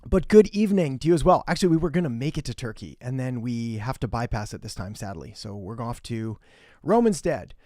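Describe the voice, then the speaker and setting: A man's voice: mid-range voice, animated, brisk, mellow, dry recording, clean studio sound. A young man hosting a live marketing Q&A, chatty and direct, greeting viewers by name and giving blunt advice. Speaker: marketing host. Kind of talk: live-stream Q&A, casual chat. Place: home in western Canada.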